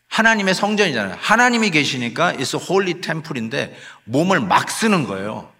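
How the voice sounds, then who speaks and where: A man's voice: fairly high pitch, bright, forceful tone. A man preaching a sermon as pastor, in a conversational style that slips English phrases into his talk and acts out sighs and scolding. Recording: long hall reverb.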